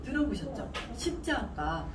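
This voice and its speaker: A woman presents product information like an informal class, with a very lively, swinging intonation. She repeats key terms and puts questions to her listeners. The recording is roomy and clearly noisy, with her voice a little away from the mic. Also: mid-range voice, measured pace, recorded from a distance. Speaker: product presenter teaching supplement ingredients.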